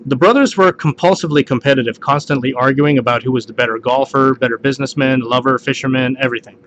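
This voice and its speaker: A man reads jokes aloud in a casual, homemade style. His voice sits at an average pitch, and he trips on the wording now and then, going back to reread a line. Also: quick pace, background noise. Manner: stumbles over the text and rereads lines. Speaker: joke reader hosting a home video.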